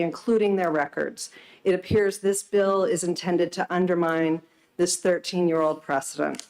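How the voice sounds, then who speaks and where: Measured woman giving formal testimony. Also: lowish voice, low-quality recording. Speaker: social worker testifying at a hearing. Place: legislative committee hearing room.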